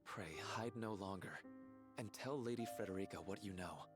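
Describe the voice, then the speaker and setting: An actor playing an earnest, courtly fantasy game villager who speaks in formal, archaic and eloquent phrases. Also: male voice, sits low, moderate pace, close to an everyday voice. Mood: earnest, probing. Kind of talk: scripted fantasy game voice acting. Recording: loud game music behind the voice.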